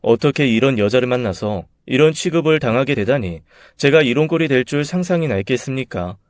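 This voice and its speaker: A young man narrating his own story in a measured, bitter, confessional way. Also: mid-range voice, animated, no echo, clean studio sound.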